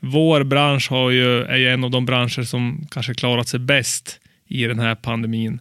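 A man's medium-pitched voice, bright and sharp in tone, flat and monotone, at a fairly slow pace, in a very clean recording with a silent background. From Sundsvall, northern Sweden. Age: 30s. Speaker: snowmobile shop owner. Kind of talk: casual chat.

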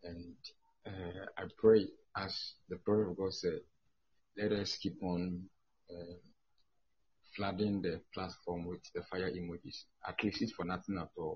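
The speaker is somewhat breathy, with a flat, monotone delivery at a fairly slow pace and long, frequent pauses. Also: man, very deep, low pitch for a man. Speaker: guest preacher. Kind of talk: sermon; prayer. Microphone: too quiet.

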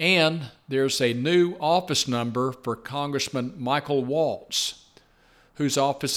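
Very slowly, a man talks at a fairly high pitch with ordinary pitch variation. The recording is very clean, with a silent background. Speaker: radio host. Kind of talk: news reading and scripted intro.

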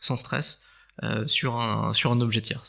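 The sound is very clean, with a silent background. Its tone comes across bright and sharp. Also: man. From Alsace, France (Strasbourg). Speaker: startup founder, biomedical engineer. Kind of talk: interview. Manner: hesitant, many fillers and repetitions.

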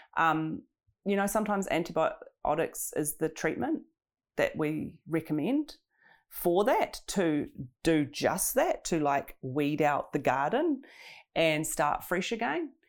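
A woman with a New Zealand accent, very slow and very even in loudness, on a very clean recording with a silent background. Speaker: nutritionist. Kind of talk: casual chat.

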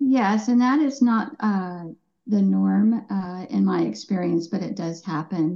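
A soft-spoken woman with an American accent, medium in pitch, dark and mellow in tone. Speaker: abuse survivor and speaker. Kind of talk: interview.

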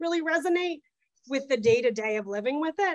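Her voice carries lively intonation. Nothing much intrudes from the quiet surroundings. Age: 40s. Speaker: medical ethnographer, researcher. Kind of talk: webinar panel discussion. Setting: online video call.

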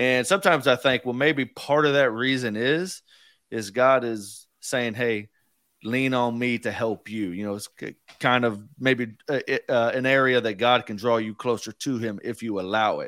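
The recording is very clean with a silent background. A man with an unremarkable speaking voice speaks at a moderate pace with a medium pitch and ordinary pitch variation. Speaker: podcast co-host. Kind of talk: casual chat.

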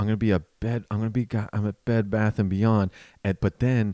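A man with an ordinary speaking voice, fairly even intonation and a moderate pace, in dry, close sound with no echo on a very clean recording with a silent background. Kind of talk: casual comedic chat. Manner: joking, boastful.

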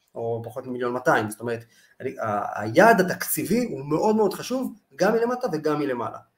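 This man talks at a very fast pace. His fairly high voice makes very wide pitch swings. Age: 30s. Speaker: startup CEO and real estate investor. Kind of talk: interview.

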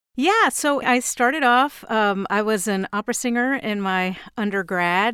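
With a General American accent, a woman speaks in an unremarkable speaking voice at a fairly high pitch, keeping a fairly slow pace with hardly any pauses. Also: ordinary pitch variation. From US Midwest. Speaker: voice actor. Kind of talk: casual interview.

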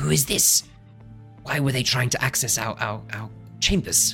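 Man in a put-on character voice at a moderate pace over clear music in the background. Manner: questioning, suspicious.

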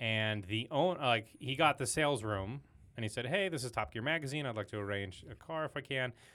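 This man has an ordinary speaking voice and talks at a fairly quick pace. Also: medium pitch for a man, lively intonation. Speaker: podcast co-host. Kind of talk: casual chat.

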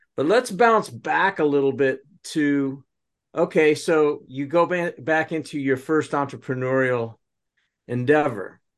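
Over a quiet background, a man with an ordinary speaking voice talks fairly slowly at a fairly high pitch with lively intonation. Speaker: podcast host. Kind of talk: interview.

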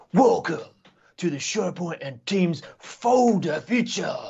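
A put-on character voice from a man, high-pitched and dramatic, at a fairly slow pace. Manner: dramatic, over the top, hyped.

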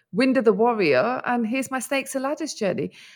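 At a fairly quick pace, a woman with a British accent speaks at a high pitch. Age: 40s. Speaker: business coach and hypnotherapist. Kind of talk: interview. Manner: halting.

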